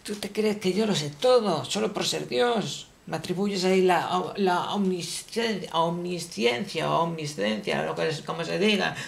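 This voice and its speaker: A man's voice: high voice, unhurried, creaky, few pauses, full character voice. A man playing a petulant, vain god. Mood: irritated. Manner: irritable, rambling, insulting. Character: petulant, vain male god, easily annoyed.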